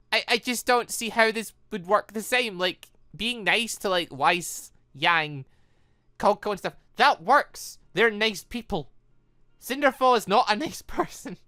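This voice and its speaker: A woman hosting a gaming video, giving casual, excitable playthrough commentary with halting exclamations. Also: medium pitch, no room sound, clean studio sound.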